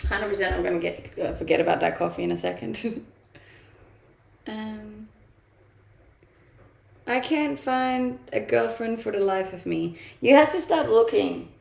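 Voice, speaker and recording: Gravelly-voiced Danish woman streamer, chatty. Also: medium pitch, unhurried, long pauses, darkish tone, echoey room. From Denmark. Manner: chatty, laughs often, many fillers. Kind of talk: casual live-stream chat reading viewer comments.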